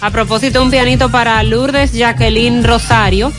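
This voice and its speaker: A woman's voice: fairly high pitch, fairly even intonation, moderate pace. A woman with a Dominican accent co-hosting live radio, giving news teasers and greetings. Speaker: radio co-host. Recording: music clearly behind the voice.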